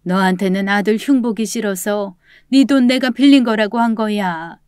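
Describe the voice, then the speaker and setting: A cunning elderly con woman from a storybook drama, scolding and stubborn, her voice smooth and close with no room around it, as a woman acts her out. She sounds grudging and accusing, never giving ground. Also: mid-range voice, moderate pace, a little mellow, no echo, lightly acted. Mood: aggrieved. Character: sly old female con artist grandmother.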